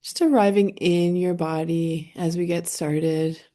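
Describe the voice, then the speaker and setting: Speaking in short, gentle phrases, a woman leads a soothing guided meditation with long, unhurried pauses. Her voice is fairly low and steady.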